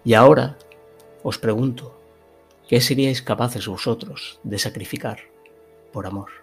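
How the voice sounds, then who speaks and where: A man's voice: medium pitch, unhurried, vocal fry, soft background music. A man playing a sinister narrator of a macabre horror tale, dramatic and ominous. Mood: grim, dramatic.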